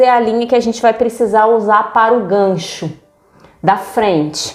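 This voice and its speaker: Her voice, fairly high for a woman, moves with ordinary pitch variation. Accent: Brazilian. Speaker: sewing teacher. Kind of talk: tutorial.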